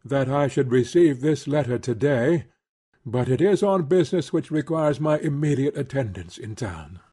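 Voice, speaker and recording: A man playing a courteous, reserved gentleman colonel in a dramatised classic novel, formal and restrained, with a husky voice. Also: medium pitch, lively intonation, moderate pace. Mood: regretful, firm.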